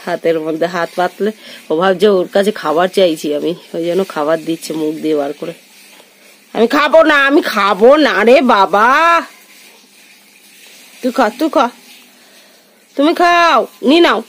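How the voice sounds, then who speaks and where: A woman's voice: mid-range voice, expressive, moderate pace, long pauses. A woman vlogging at home, coaxing her pet bird in playful baby talk. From West Bengal, India. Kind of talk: casual home vlog, talking to a pet bird.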